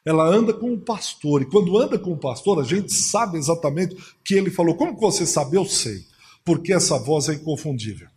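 A man's voice: fairly high pitch, lively intonation, fairly quick, a little mellow, husky. A man preaching a sermon as pastor, telling stories and acting out the voices in them.

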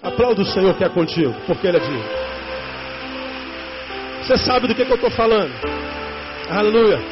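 A man's voice: sits high, big pitch swings, fairly quick. A male pastor preaching a sermon, addressing the congregation directly and repeating key lines for emphasis. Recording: dull lo-fi sermon recording with faint music.

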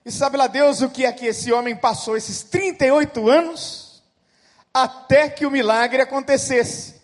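A middle-aged man from Brazil, a pastor preaching a sermon that swings between loud emphatic peaks and quiet storytelling. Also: extremely high pitch, steady tone, measured pace.

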